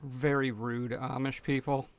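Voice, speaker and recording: A man's voice: medium pitch, little pitch movement, measured pace. A man playing a tabletop game, chatting casually and wryly as he talks through his character's thinking. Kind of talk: casual, joking game chat.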